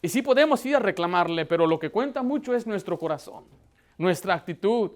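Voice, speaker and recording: A man with a high voice delivers a church sermon as pastor. He often stops to ask the congregation questions, and his delivery swells with emotion as he presses his point. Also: expressive, fairly quick. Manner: preaching with rising emotion, asking the congregation questions.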